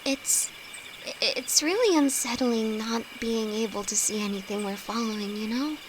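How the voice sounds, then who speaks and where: A woman's voice: fairly high pitch, moderate pace, close to an everyday voice. A woman acting a timid, affectionate young apprentice alchemist in an intimate audio roleplay, nervous, stammering and hesitant, speaking to her best friend. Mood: anxious, grateful. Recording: insect and cricket noise behind voice. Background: night forest ambience with crickets.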